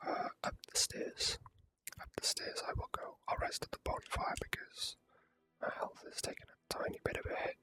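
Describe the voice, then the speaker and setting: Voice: moderate pace, bright, forceful tone, poor audio. A person whispering hesitant, rambling ASMR commentary while playing a video game, close to the microphone.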